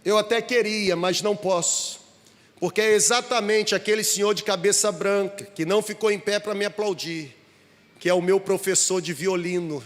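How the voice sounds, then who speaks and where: A man's voice: high voice, moderate pace, lightly acted. A Brazilian man preaching in church, voicing an earnest, tearful twelve-year-old boy. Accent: Brazilian Portuguese. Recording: reverberant church hall.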